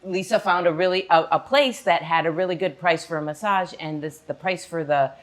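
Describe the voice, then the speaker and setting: A woman guest in a casual chat who laughs often and chimes in with quick agreement. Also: fairly low pitch.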